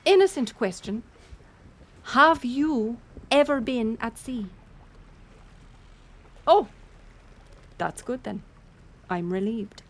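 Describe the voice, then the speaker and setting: A woman's voice: fairly high pitch, expressive, slow, long pauses, full character voice. A woman playing a bold, teasing pirate smuggler captain in an audio roleplay, playful and sardonic in manner. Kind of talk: intimate audio roleplay storytelling.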